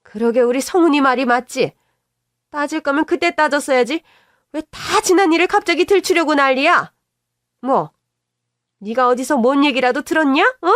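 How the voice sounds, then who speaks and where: Woman doing a shrill scolding mother-in-law. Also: moderate pace, a bit bright, no echo, studio quality. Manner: shrieking, scolding.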